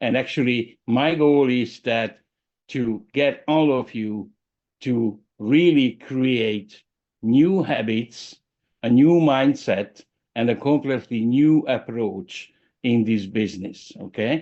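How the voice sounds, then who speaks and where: A man with a Hungarian accent speaks at a very slow pace. His medium-pitched voice shows ordinary pitch variation. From Hungary. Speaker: sales team director and trainer. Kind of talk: online training presentation.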